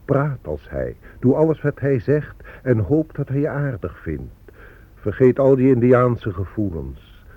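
A man's voice: medium pitch, sing-song, unhurried, slightly rough, dry recording, exaggerated voice. An actor playing a grave, disillusioned Native American man in a radio play, with an ironic manner. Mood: bitter irony. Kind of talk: Dutch radio play acting. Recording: dull, lo-fi radio recording.

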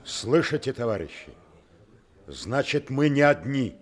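An actor playing a stern, steadfast army major in a Soviet radio drama, with deliberate authority. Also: male voice, mid-range voice, big pitch swings. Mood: solemn, commanding.

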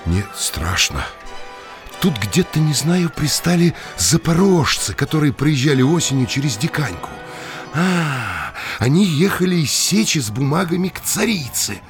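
An actor playing a naive, awestruck young village blacksmith in an audio drama, exclaiming in a folksy, wondering way. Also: male voice, on the high side, big pitch swings, unhurried, soft background music. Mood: hesitant, then commanding. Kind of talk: theatrical audio drama acting.

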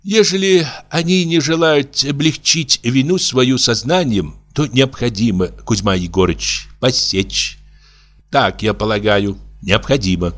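A man's voice: mid-range voice, a little slow, a bit bright, lightly acted. A man voicing a timid, pedantic junior churchman who speaks in a sighing, prim and formal way.

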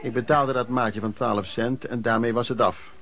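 Actor as mid-pitched storyteller recalling his youth. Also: fairly even intonation, normal speed, noisy background, natural voice. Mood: reminiscing. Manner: conversational storytelling. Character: former street peddler recounting his youth, frank. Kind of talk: first-person radio play narration.

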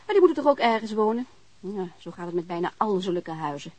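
A woman's voice: mid-range voice, expressive, quick pace, a little mellow, slight background noise, natural voice. An actress playing an outspoken, chatty young landlady in a naturalistic radio drama, talking bluntly and informally with earthy swearing. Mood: opinionated.

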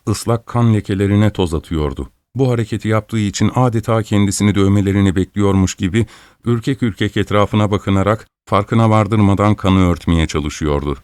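A man reading a story aloud at a steady, measured pace. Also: on the low side, clear, resonant tone, no room sound, clean studio sound. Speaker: narrator. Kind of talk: audiobook narration of a story.

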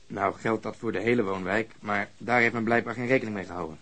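Cynical police detective, radio drama, brisk, rough-edged voice, sardonic, matter-of-fact. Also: male voice, fairly low pitch, steady tone, fairly bright tone. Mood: matter-of-fact, dry. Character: brusque, cynical, sarcastic male police detective.

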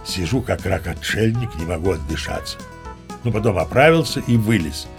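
An actor playing an old sea captain, spinning tall tales in a leisurely, self-important, theatrical way for an audiobook drama. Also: male voice, deep voice, lively intonation, creaky, music in the background. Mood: rueful. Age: older. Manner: leisurely, pompous, savouring pauses and asides.

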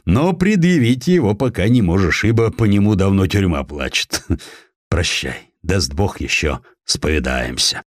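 Male narrator as a blunt Cossack adventurer, free-spirited, folksy, low voice, lively intonation, audiobook. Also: measured pace, no echo, studio quality. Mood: tender, resigned. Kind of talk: audiobook character acting.

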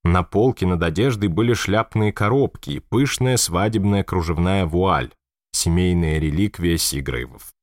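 A man with a very deep, low voice reads a novel aloud in a calm and even manner. The recording is close and dry, with no room echo. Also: normal speed. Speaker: narrator. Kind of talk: audiobook narration.

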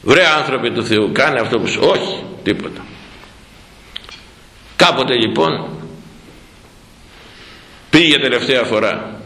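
A man, a priest, preaching a sermon as animated storytelling, asking rhetorical questions and repeating words. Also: medium pitch, pauses often, reverberant, low-quality recording. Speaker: priest, former head of a parish church.

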